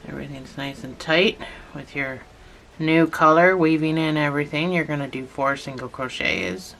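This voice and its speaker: A channel host talking through a lesson step by step, patient and repetitive, a little hoarse from a cold. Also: medium pitch, normal speed, fairly bright tone. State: has a cold, losing voice. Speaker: instructor. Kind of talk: step-by-step tutorial narration.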